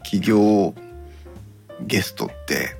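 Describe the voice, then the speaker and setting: A man hosting a podcast in casual chat, explaining things haltingly in polite but relaxed speech. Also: fairly low pitch, creaky, soft background music. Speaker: podcast host.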